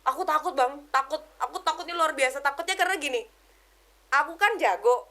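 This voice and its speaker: A woman giving an emotional personal testimony as a podcast guest, telling it in an animated way and keeping the host close in the talk. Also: high voice, a little fast. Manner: animated storytelling, keeps addressing the host as brother; drops English words into her speech.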